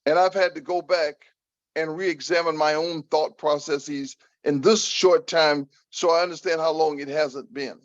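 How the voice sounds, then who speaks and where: Older american guy answering at a talk, deliberate, repeats himself, bit high pitched, slightly muffled recording. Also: steady tone, no room sound. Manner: deliberate, halting, repeats phrases for emphasis. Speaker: speaker at a public talk. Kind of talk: answering an audience member at a talk.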